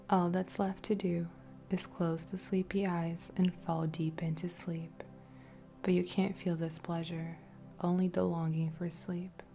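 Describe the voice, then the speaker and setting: Low, soft woman playing a soothing hypnotist waitress. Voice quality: soft, breathy, often whispery. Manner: slow, repetitive, soothing, coaxing. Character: friendly waitress turned soothing, commanding hypnotist. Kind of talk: ASMR hypnosis roleplay.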